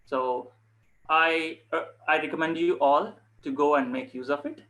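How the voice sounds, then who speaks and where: A man giving an informal instructional talk as a yoga instructor, speaking earnestly in short, halting phrases to online viewers. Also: a little high, fairly even intonation, fairly bright tone, poor audio.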